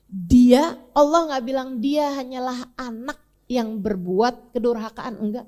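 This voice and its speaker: A woman preacher telling a story in a sermon, talking casually and directly to her audience, swinging between soft and emphatic. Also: fairly high pitch, measured pace. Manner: colloquial, addresses audience directly. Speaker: Islamic preacher.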